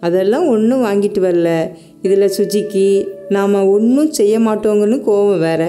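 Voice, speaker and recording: A woman playing a tired, pleading mother with a very dark tone. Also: mid-range voice, normal speed, natural voice. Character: struggling mother, practical and tired. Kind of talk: radio drama acting.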